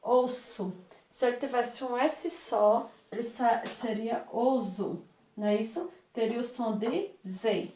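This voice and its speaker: A woman's voice: a little high, measured pace, hardly any pauses, a little mellow, reverberant, slight background noise. A woman teacher giving a recorded lesson to children, talking affectionately, asking questions back and sounding out words one by one.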